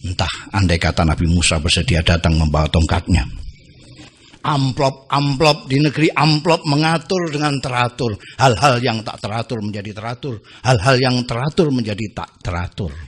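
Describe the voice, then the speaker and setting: A man reciting poetry theatrically, slowing down on some lines and dropping to near-whispers. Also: medium pitch, slight background noise. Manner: theatrical, slow drawn-out lines, sudden drops to near whisper.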